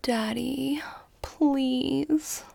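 A young woman whispering and pleading softly into a close microphone in an adult audio roleplay. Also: high voice, drawn-out words, dry recording. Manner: mostly whispered, pleading and breathy.

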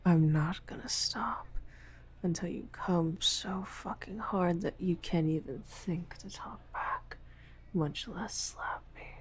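A woman playing a dominant, taunting lover in an intimate audio roleplay, mostly in a husky whisper with a slow, commanding delivery. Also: lowish voice, full character voice. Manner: slow, teasing, commanding, profane.

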